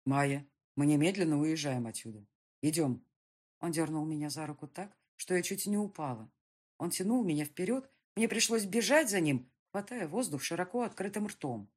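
A woman reads an audiobook in a slightly husky, breathy voice that sits on the low side. She narrates with real drama, and her pitch swings widely as she reads. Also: normal speed. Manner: expressive, dramatic reading. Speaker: audiobook reader. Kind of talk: audiobook narration in the first person.

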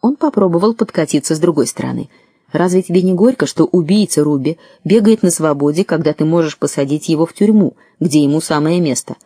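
A woman narrating a first-person audiobook story in a lively, wry way. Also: low voice, brisk, slightly rough, no room sound, studio quality.

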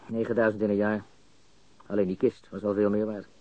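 An actor in a radio crime drama playing a nervous, bitter small-time crook who stammers and talks in slang while confessing under interrogation. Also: male voice, on the low side, little pitch movement, fairly quick, dry recording, lightly acted. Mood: bitter, resigned. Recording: dull lo-fi studio radio recording.

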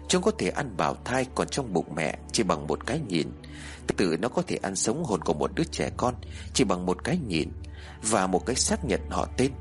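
Man doing a stern security guard, curt, lecturing, low voice, faint music.

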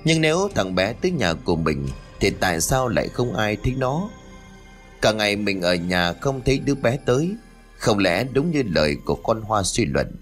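A shrewd old grandmother turning questions over in her mind, spoken by a male storyteller. The voice is low and lively in its rise and fall, close to the narrator's own, over quiet music. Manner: musing, questioning.

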